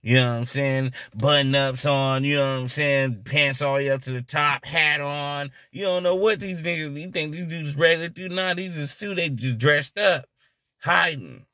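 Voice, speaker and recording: A man's voice: fairly high pitch, fairly even intonation, normal speed, bright, forceful tone, no room sound, studio quality. A man telling street stories in a casual, rambling monologue, often checking in with "you know what I mean". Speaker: storyteller.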